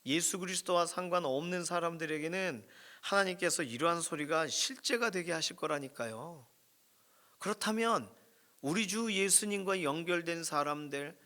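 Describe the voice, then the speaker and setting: Bright-voiced Korean pastor preaching. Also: male voice, on the high side. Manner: expressive preaching, voice swelling and dropping to near whisper. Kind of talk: sermon. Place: church prayer room.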